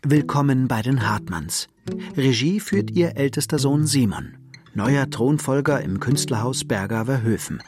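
A man narrating a television portrait in a measured, literary way. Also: medium pitch, over music. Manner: measured, expressive, literary phrasing. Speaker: documentary narrator. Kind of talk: scripted narration.

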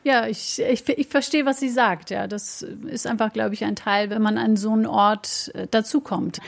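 A woman's voice: a little high, fairly even intonation, normal speed, creaky. A woman whose first language is English, a food blogger answering radio interview questions thoughtfully, searching for words with fillers. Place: on location by a lake.

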